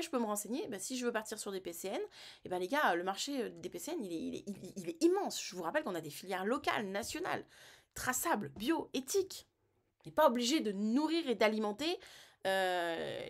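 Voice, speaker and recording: Emphatic, animated woman vlogger. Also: medium pitch. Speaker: vlogger giving health advice. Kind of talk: casual commentary vlog.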